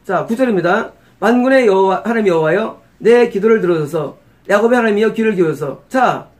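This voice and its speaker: A middle-aged man with a high voice gives an expository sermon as pastor. He walks the congregation through the text, peppering it with rhetorical questions and repeating key phrases. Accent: Korean-accented English words.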